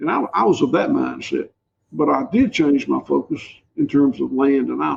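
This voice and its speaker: A man with a Southern US accent at a moderate pace. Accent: Southern US (Georgia). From US South, southwest Georgia. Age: 60s. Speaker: farmer. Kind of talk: interview.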